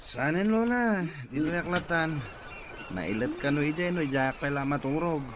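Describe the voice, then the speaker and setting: A man's voice: on the high side, expressive, normal speed, lightly acted. A man playing a pushy, sly male cousin in an Ilocano audio drama. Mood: reluctant. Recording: noisy amateur recording.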